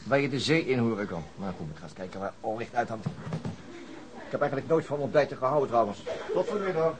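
An actor playing a weary, middle-aged chief inspector in a radio drama, gruff and dry, with hesitant, understated speech. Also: male voice, medium pitch, expressive, brisk, crowd noise, close to an everyday voice. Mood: wry, light. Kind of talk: naturalistic radio drama acting.

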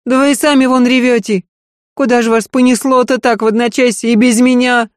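A woman's voice: on the high side, fairly even intonation, dry recording, clean studio sound, pitched above the performer's own voice, close to an everyday voice. Woman putting on a wailing peasant maidservant. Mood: wailing fuss. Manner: wailing, rapid, folksy lamenting. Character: fussy tearful peasant maidservant, middle-aged woman.

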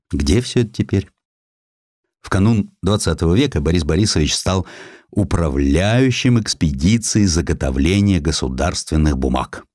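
A low-pitched man reads literary history aloud. His intonation moves widely and expressively while the delivery stays measured. The recording is dry and close, with very little room sound. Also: a little mellow, no echo. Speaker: audiobook narrator. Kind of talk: scripted literary narration of a historical essay.

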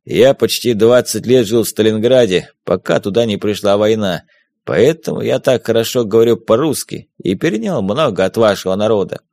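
A man's voice: fairly low pitch, normal speed, a little mellow, lightly acted. A man voicing a jovial, confident middle-aged German smuggler captain in an audiobook, with a teasing, confiding manner.

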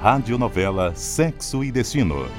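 A man's voice: medium pitch, sing-song, moderate pace. A man with a Brazilian accent reading a formal, scripted radio announcement. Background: music.

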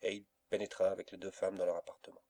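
Low-voiced male audiobook narrator. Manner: measured, steady reading. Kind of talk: scripted literary narration.

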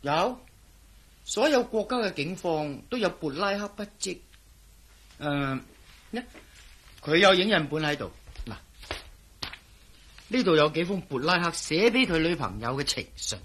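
A man playing a sly, smug intelligence chief in a Cantonese radio play, drawling slowly and laughing mockingly. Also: on the high side, big pitch swings, a bit bright, breathy edge, exaggerated voice. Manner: slow, drawn-out, smug delivery with mocking laughs.

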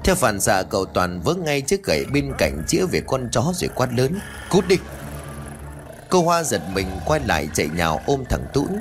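A man's voice: medium pitch, big pitch swings, normal speed, hardly any pauses, faint music behind. A man narrating a scripted story dramatically.

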